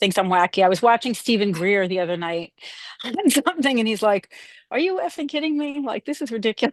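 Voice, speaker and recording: A woman's plain, everyday voice at a fairly quick pace, with lively intonation and a dry, close sound with no echo. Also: quiet background. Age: 60s. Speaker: community member. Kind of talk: casual chat. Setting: video call, outdoors in backyard.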